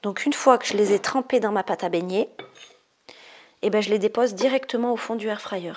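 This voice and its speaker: A woman's voice: medium pitch, a little fast, darkish tone. A woman hosting a casual cooking video, chatty and self-amused, often dropping her voice to a murmur.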